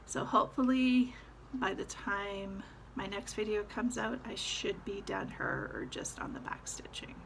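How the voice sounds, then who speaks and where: A woman's voice: medium pitch, fairly even intonation, measured pace, gravelly, noisy background. A woman chatting casually about her cross-stitch projects, rambling with fillers as she shows her work. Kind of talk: casual show-and-tell chat.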